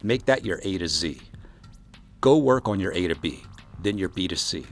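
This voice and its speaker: A man's voice: low voice, lively intonation, moderate pace, soft background music. A man hosting his own solo podcast, talking earnestly and encouragingly about defining success as an artist. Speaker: podcast host and composer. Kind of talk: solo motivational podcast monologue.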